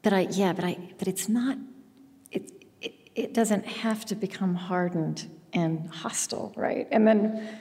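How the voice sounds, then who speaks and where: A woman's voice: medium pitch, a little slow, mellow. A woman hosting an interview, thinking aloud with searching phrasing. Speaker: interview host. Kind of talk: conversational interview. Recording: long hall reverb.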